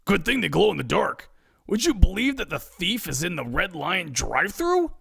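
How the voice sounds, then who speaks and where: A man voicing an excitable, easily frustrated male pizza delivery driver in a story, urgent and emphatic. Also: sits high, moderate pace, vocal fry, breathy edge, dry recording, clean studio sound, voice pushed up, heavily acted. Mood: excited.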